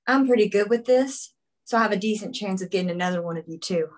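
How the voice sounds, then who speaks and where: A woman's voice: mid-range voice, fast talker, lightly acted. A woman reading the part of a tough young woman who answers threats in a blunt, defiant, dry way at a script table read.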